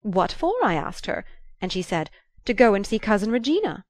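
A woman voicing a shrewd, commanding old grandmother who talks in a lively, imperious way. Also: medium pitch, moderate pace, dry recording, clean studio sound, lightly acted. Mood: gossipy.

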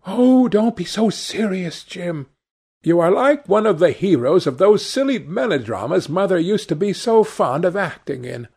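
A man doing a smitten young woman, bright and teasing. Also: high voice, expressive, moderate pace, creaky, husky, pitched above the performer's own voice, heavily acted. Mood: dreamy.

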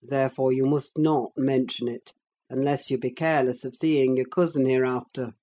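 A woman voicing a bitter, scornful middle-aged landowner in an audiobook, speaking in a gruff, contemptuous way. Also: very deep voice, steady tone, moderate pace, dark tone. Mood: stern. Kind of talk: audiobook character voice.

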